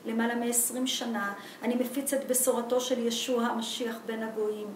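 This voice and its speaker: A woman's voice: on the high side, flat delivery, lightly acted. A woman voicing a small, weary, fervent wandering preacher in a novel reading, insistent, in an echoey room. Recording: echoey room, distant mic, background noise.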